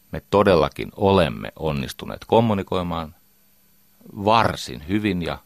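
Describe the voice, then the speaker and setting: A man's voice: low-pitched, fairly bright tone, dry recording, studio quality. A middle-aged man giving a lecture as a communication trainer, emphatic and full of rhetorical questions.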